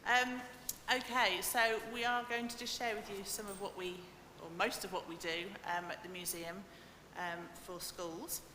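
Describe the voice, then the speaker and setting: A woman museum learning officer presents to councillors, friendly and a little nervous. Her voice is bright and forward. The room is echoey, with a long reverb tail and faint room hum. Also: medium pitch, steady tone, normal speed, hardly any pauses. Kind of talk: presentation to a committee. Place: council chamber. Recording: echoey chamber webcast.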